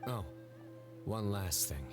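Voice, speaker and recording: A man voicing a stern, composed young investigator in a video game, speaking in a measured, deadpan way. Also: fairly low pitch. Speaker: game character. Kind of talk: game voice acting. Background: game music.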